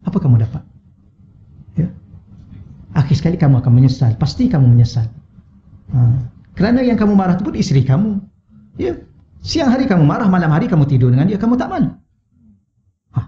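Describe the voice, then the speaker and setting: A Malaysian Malay religious teacher speaks to a mosque congregation in a fairly high, mellow voice. He mixes earnest advice with humor and acts out short exchanges. The recording sounds slightly dull and lo-fi. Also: big pitch swings, fast, pauses often, slight background noise. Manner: humorous, acts out little dialogues. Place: mosque hall. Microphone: wireless lavalier.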